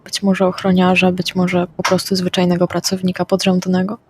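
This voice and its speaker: A woman playing a tabletop game, stating her plans flatly with fillers. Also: on the low side, normal speed, background noise. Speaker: player. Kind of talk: casual tabletop play.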